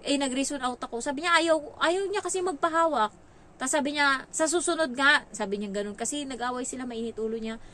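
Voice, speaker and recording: Chatty Filipina nanny telling stories. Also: female voice, high-pitched, fast, a bit bright, slight background noise. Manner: candid, chatty, mixes in English phrases. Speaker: nanny in Hong Kong. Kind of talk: casual storytelling vlog.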